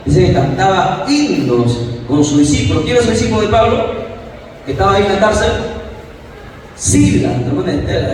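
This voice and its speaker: A man preaching an interactive sermon, emphatic and swinging between loud and soft, who questions the congregation and calls on members by name. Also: sits high. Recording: echoey hall, far from the mic, faint noise.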